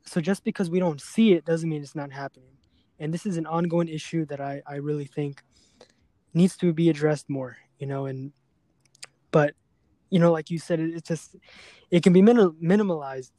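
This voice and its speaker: Halting, somber man with a mellow voice. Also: on the high side, dry recording. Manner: halting, hesitant, repeats words. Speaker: podcast host. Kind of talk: serious, unscripted podcast conversation.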